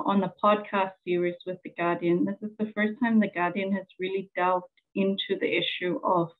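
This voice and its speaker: A Samoan woman journalist in her forties giving an earnest conference presentation, pausing often with fillers. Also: mid-range voice. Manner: earnest, halting with many fillers. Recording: tinny phone-like sound.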